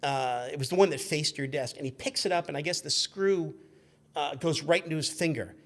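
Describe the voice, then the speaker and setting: A man in his fifties telling casual anecdotes as a guest, in an animated, rambling way, acting out what people said. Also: fairly high pitch, fairly quick. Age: 50s. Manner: animated, rambling, acts out remembered quotes.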